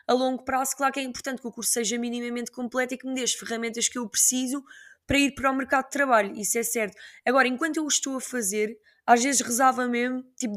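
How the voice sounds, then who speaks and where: A young woman from Portugal, talking alone on her podcast. Her voice sits a little high, and she tells stories in a loose, slangy, lively way, full of casual asides to her listeners. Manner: slangy, chatty, animated storytelling. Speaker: podcast host. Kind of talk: casual solo podcast chat.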